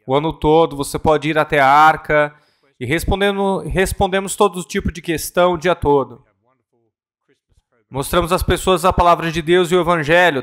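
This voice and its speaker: A man interpreting a ministry talk at a church conference, earnest and measured, sometimes correcting himself mid-word. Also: on the high side, fairly bright tone, clear, resonant tone.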